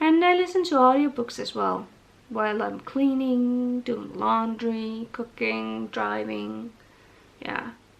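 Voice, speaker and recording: The speaker has an Icelandic accent and talks at a fairly slow pace. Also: woman. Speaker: book vlogger. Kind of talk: casual vlog monologue. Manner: hesitant, with fillers.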